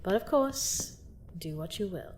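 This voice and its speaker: A woman's voice: mid-range voice, expressive, a little slow, slight background noise, lightly acted. A woman playing a seductive, gloating vampire queen in a fantasy audio drama, theatrical and mock-sweet as she menacingly toys with her captive. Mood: smug insistence. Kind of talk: scripted roleplay audio drama monologue.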